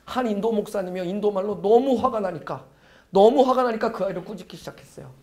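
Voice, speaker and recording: Middle-aged male pastor with a high voice, preaching with dramatic swings from loud to hushed. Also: quick pace. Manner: dramatic storytelling, swinging from loud urgency to hushed near-whisper. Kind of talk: sermon.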